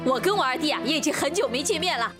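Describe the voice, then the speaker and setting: An actress playing a brash, bossy big sister in a period drama, blunt, insistent and hearty. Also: female voice, sits high, lively intonation, rapid-fire, over music. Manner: loud-mouthed, blunt, insistent. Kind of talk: Chinese period drama acting.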